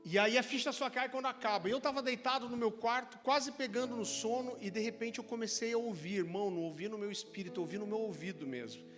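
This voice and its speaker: A man with a Brazilian accent preaching a sermon, telling a personal testimony in an animated, chatty way. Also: high voice, quick pace, few pauses. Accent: Brazilian Portuguese. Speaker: pastor. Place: church sanctuary. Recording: church hall reverb with music.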